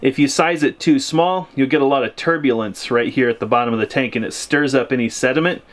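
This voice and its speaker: A man's voice: medium pitch, a little fast. Plainspoken man explaining plumbing outdoors. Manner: practical, plainspoken, explains step by step. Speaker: homesteading vlogger. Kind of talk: casual explainer vlog. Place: outdoors in snow by a forest.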